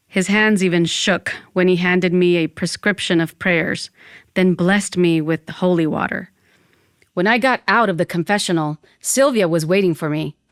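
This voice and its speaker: A woman's voice: on the low side, dry recording, studio quality, lightly acted. A woman playing a wry undead Latina who narrates her own story with dramatic flair in a comic audio drama. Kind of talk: first-person comic audio fiction narration. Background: music.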